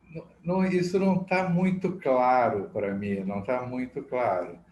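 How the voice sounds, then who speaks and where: Amid noticeable background noise, a man with a fairly high pitch speaks at a very slow pace, his pitch swinging very widely. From Brazil, São Paulo then Rio de Janeiro. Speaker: physician and medical researcher. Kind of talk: interview. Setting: video call. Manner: hesitant, with fillers.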